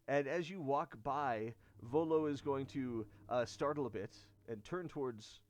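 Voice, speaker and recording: A man narrating as game master of a tabletop game, animated and quick to laugh. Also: mid-range voice.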